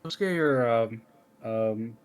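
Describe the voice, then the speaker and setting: A man's voice: mid-range voice, slow pace, smooth. A man chatting casually as a player at a tabletop role-playing game.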